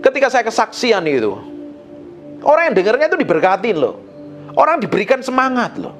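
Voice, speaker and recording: Animated, high-voiced joking pastor. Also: male voice, brisk, soft background music. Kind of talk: sermon.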